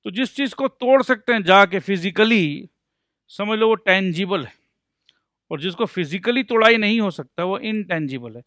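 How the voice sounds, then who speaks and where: A man with a high, bright voice gives a lively accountancy lecture, recorded dry and close. He jokes his way through each point and answers his own questions as if a student had asked them. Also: normal speed, dry recording. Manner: playful, mixes Hindi and English, jokes to explain. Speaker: accountancy teacher.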